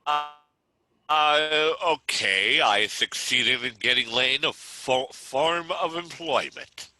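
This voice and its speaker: A man's voice: medium pitch, takes it slowly, close to an everyday voice. A man acting a grumbling, put-upon middle-aged suburban father in a comedy table read. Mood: matter-of-fact, irritated.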